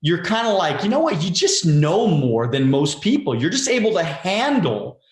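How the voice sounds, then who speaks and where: Animated motivational man in his forties. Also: a little high, moderate pace. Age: 40s. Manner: emphatic, casual, repeats words, swears freely. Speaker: guest, wealth coach. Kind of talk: motivational conversation. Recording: roomy echo.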